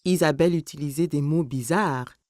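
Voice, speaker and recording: A woman narrating a children's cartoon as a scripted story, telling it clearly in simple sentences. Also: sits low, moderate pace, darkish tone, dry recording, clean studio sound, lightly acted.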